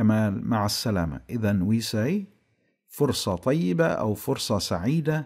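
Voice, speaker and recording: A man's fairly low voice with lively intonation and an Arabic accent, in a very clean recording against a silent background. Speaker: Arabic language teacher. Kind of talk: lecture.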